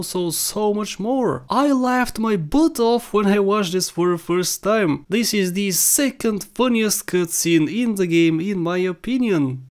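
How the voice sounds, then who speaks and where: Countdown narrator for gaming video: medium-pitched, informal, opinionated. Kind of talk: casual top-ten game commentary.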